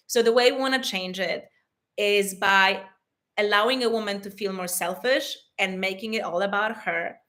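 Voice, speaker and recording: A woman from Poland with a Polish accent, hosting a live stream as an intimacy coach and answering chat questions warmly and with frequent laughter. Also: medium pitch. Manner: warm and affectionate, calls viewers "my loves", laughs often.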